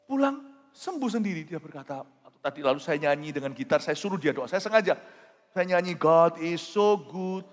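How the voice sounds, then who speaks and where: High-voiced, animated male pastor preaching. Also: brisk. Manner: animated, emphatic, mixes in English phrases. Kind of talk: sermon with storytelling. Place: church. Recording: reverberant church hall with faint music.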